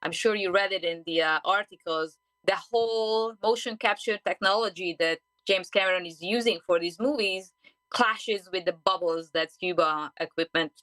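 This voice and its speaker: A woman in her forties from Hungary with a Hungarian accent, a diving guest telling her story in an animated radio interview. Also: on the low side, normal speed, dry recording, poor audio. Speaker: guest, underwater safety diver. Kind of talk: interview conversation. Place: radio studio.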